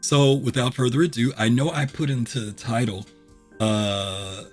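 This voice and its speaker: A middle-aged man chatting casually as a streamer reviewing a game show, full of ums and throat clears, his voice a little rough. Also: medium pitch, fairly even intonation, a little slow, soft background music. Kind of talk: casual livestream chat.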